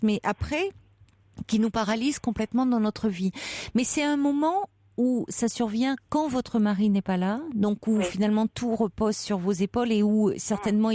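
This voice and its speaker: A woman hosting a late-night radio call-in show who gives a caller advice in a calm, gentle, reassuring way. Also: medium pitch, no room sound, clean studio sound. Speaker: radio host and psychologist. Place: radio studio. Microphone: studio mic.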